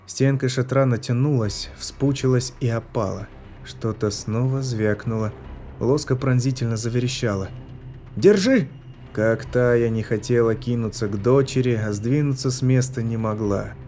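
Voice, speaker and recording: A man giving scripted narration of a dark fantasy story in a measured, tense manner. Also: mid-range voice, fairly even intonation, faint music behind. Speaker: audiobook narrator.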